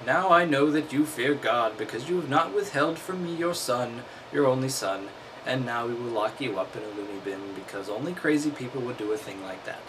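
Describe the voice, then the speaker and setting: A man's voice: mid-range voice, lively intonation, brisk, noisy background. A man reading aloud and breaking off into wry, mocking commentary. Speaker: host.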